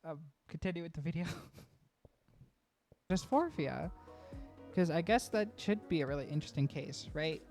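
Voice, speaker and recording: A woman's voice: deep voice, expressive, moderate pace, long pauses, a little mellow, soft background music. A trans woman vlogger rambling through a casual voice-over, often tagging "right?" and laughing between thoughts. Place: home voice-over recording.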